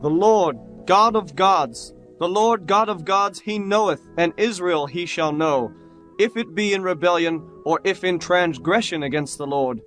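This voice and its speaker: A man's voice: high voice, a little slow, a bit bright. A man voicing an earnest, defensive tribal spokesman pleading his case in a dramatized scripture reading. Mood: earnest plea. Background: music underneath.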